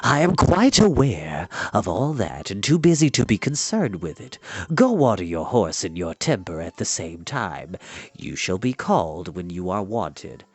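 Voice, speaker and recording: A man voicing a calm, curt, dismissive old enchanter in a storybook reading. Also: a little slow, breathy edge, no room sound, full character voice. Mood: unperturbed, dismissive. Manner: calm, dismissive, low-key.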